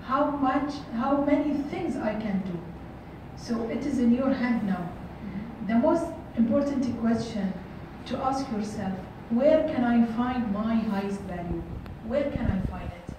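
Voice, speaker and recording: Woman, middle-aged, high voice, motivational workshop talk, echoey conference room, far-off camera, noisy. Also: measured pace. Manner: earnest, repeats phrases, many fillers. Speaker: workshop speaker. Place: large hotel conference room.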